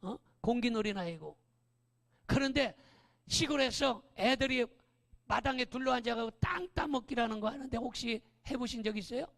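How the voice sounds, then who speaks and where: A male pastor preaching a lively sermon in a church, often raising his voice and prodding the congregation with quick questions. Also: very high-pitched, vocal fry. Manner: animated, often shouting, keeps asking the congregation "eh?". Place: church sanctuary. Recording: long church-hall reverb.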